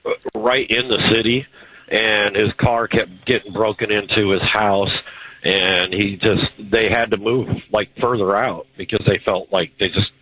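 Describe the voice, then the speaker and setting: A man calling in to a radio show, telling a story in a casual, halting way with many fillers. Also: fairly low pitch, steady tone, husky, no echo. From Chicago. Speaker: caller. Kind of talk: phone-in call. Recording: dull lo-fi phone line.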